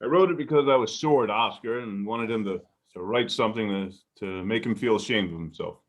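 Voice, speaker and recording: Man playing a low, disillusioned newspaper editor. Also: a little fast, close to an everyday voice. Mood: bitter. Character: disillusioned, self-mocking male editor of small paper. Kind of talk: stage play reading over video call. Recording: dull video call audio.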